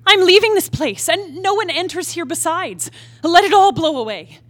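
A woman's voice: very high-pitched, lively intonation, moderate pace, no room sound. A woman acting a restless, defiant young wife in a dramatic stage play reading, yearning and impassioned. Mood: agitated, defiant. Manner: theatrical, impassioned soliloquy. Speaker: playwright reading her own play.

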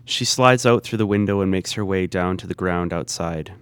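A man's voice: low-pitched, moderate pace, fairly bright tone, clear, resonant tone, no echo. A man giving scripted narration, reading the stage directions of a play.

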